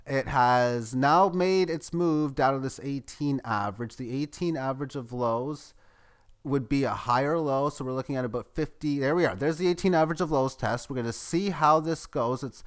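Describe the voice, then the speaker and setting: A man giving live, tick-by-tick commentary on a price chart as the host of his channel, growing excitable at key moments. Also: normal speed, clear, resonant tone. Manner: running play-by-play, excitable at highs. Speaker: market chart analyst.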